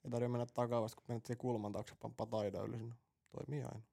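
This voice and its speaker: A man's voice: medium pitch, flat delivery, creaky, warm tone. A man co-hosting a casual podcast, telling rambling stories full of swearing and laughing at his own jokes. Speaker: podcast co-host. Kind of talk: casual crude banter.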